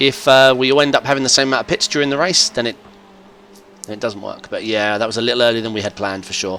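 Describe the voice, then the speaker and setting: A fairly quick pace with ordinary pitch variation over noticeable background noise. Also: man. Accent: English. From England. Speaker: sim racing streamer. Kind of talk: live stream chat with teammates.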